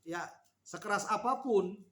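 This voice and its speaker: A man preaching a sermon to a women's fellowship, explaining Bible passages and acting out quoted lines with lively repetition. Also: high voice, unhurried. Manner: animated, repeats key phrases, acts out quoted lines.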